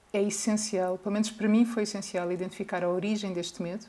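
A woman's dark, mellow tone with monotone, flat intonation. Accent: European Portuguese. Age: 40s. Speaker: podcast co-host. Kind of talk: casual chat. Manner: halting, repeats words.

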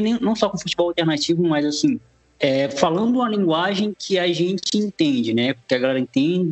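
Here a man talks in a high pitch at a moderate pace. His pitch swings are very wide. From Acre, Brazil. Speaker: podcast host. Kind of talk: casual interview chat.

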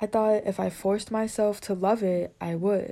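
A woman talks at a fairly slow pace with monotone, flat intonation. Her tone is dark and mellow. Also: very clean recording, silent background. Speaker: spoken word poet. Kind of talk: spoken word poem, earnest and confessional, read aloud. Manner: earnest, rhythmic, measured, with emphatic refrains.

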